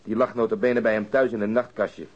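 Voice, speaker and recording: An actor playing a brisk, assured police investigator, dry and factual, in a radio crime drama with dull sound. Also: male voice, lowish voice, little pitch movement, husky. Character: brisk, certain, matter-of-fact male police investigator.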